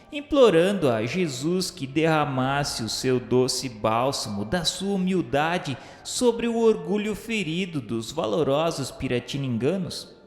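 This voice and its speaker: A man with a Brazilian accent reading scripted, literary radio narration in a solemn, grandiloquent, formal manner. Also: mid-range voice. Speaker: narrator of a religious radio novela. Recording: echoey hall-like reverb, music underneath. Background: music.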